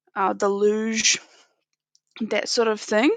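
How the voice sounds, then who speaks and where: Fairly slow, monotone, flat speech from a woman with a New Zealand accent and a fairly high pitch, dry and close with no echo, over a quiet background. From New Zealand, Christchurch. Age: 20s. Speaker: language tutor. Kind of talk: presentation.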